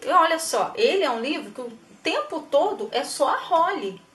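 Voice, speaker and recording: A chatty woman explains writing in a relaxed, thinking-aloud way, full of little fillers. Her voice sits somewhat high. She sounds set back from the mic in an echoey room. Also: moderate pace, recorded from a distance. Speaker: writer giving writing tips. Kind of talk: casual explanatory vlog.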